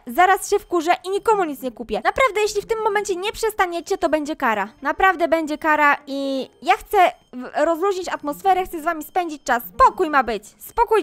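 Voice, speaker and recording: A woman whose voice sits high, with a fairly bright tone, is a Roblox gaming YouTuber playing a mom. She provides roleplay gameplay commentary, scolding her in-game kids and turning to address viewers directly in asides.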